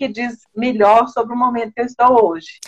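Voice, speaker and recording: A woman speaks in a high-pitched voice. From Brazil, northern Minas Gerais (Montes Claros). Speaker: creative economy specialist. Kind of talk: casual interview. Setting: Instagram live video call.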